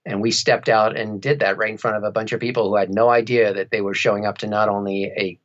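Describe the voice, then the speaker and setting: Male interview guest, lowish pitch, wry casual storyteller, slightly muffled lo-fi audio. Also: fairly even intonation, fast, a bit bright. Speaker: interview guest, audiobook narrator and radio play performer.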